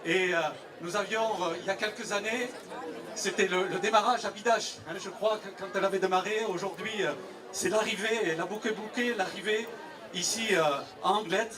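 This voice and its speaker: A man giving a formal public speech as a local official, measured and pausing between short phrases. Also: high voice, steady tone. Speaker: local authority president, official speaker. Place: public event with crowd. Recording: distant PA microphone, noisy crowd.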